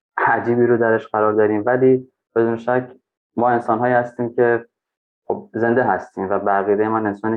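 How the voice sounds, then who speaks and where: A man at a medium pitch and a fairly quick pace. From Afghan raised in Iran (Shiraz). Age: 20s. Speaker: Afghan migrant. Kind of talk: interview.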